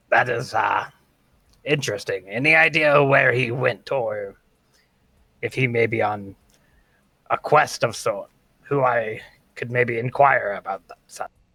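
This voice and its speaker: A man puts on a raspy character voice at medium pitch. He talks at a fairly slow pace, with long, frequent pauses. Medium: actual play. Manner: formal, measured, slightly hesitant.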